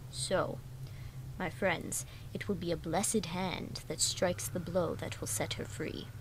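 A female-sounding voice puts on a character voice at a fairly slow pace over loud background noise. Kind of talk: old-fashioned formal speech. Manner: solemn, commanding, measured.

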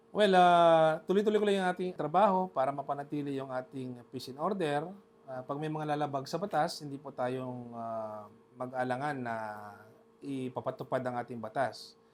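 Speaking in a normal speaking voice, a man talks at a moderate pace with a fairly high pitch. His intonation is lively and his loudness swings a lot. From Philippines, Pangasinan (Bolinao island). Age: 40s. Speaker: police chief. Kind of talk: interview testimony. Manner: formal, polite with frequent fillers.

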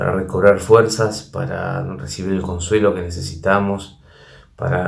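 Over a quiet background, a man with a very deep, low pitch speaks at a fairly slow pace. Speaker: church minister. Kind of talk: sermon. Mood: calm, warm, measured.

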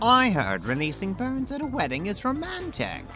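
A cartoonish character voice with a fairly high pitch speaks at a moderate pace. Loud background noise fills the recording. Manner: earnest, overconfident.

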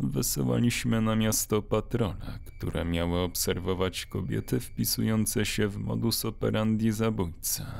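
A man speaks in a dramatic tone at a moderate pace. There are hardly any pauses. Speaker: horror story narrator. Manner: hushed, ominous and suspenseful, with dramatic pauses and teasing asides to the listener.

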